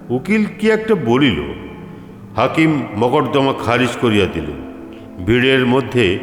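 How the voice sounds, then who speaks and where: A man narrating a literary story from a script, with echo on his voice and music behind. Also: mid-range voice. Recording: echoey reverberant room, music behind.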